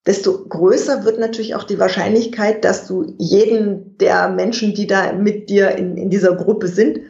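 Calm guest explaining in a dull, roomy recording. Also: medium pitch, vocal fry. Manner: measured, thinks aloud with fillers. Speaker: guest expert on communication. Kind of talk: explanatory interview answers.

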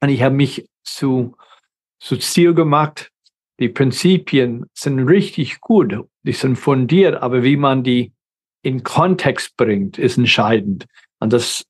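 A middle-aged man from the United States with an American accent, a guest consultant talking in his second language, with frequent restarts and grammar slips. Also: mid-range voice. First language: English. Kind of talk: conversational interview.

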